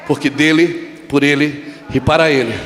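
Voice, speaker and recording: A man preaching at a church conference, telling a story and then shouting emphatic declarations to the congregation. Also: fairly high pitch, fairly even intonation, moderate pace. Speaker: pastor. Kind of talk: sermon with storytelling. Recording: long reverb of a large hall with music.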